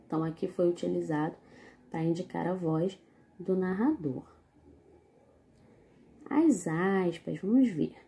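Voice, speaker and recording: Mellow-voiced teacher explaining slowly. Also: female voice, fairly low pitch, creaky. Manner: slow, deliberate explaining, addressing the class directly. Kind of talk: recorded video lesson.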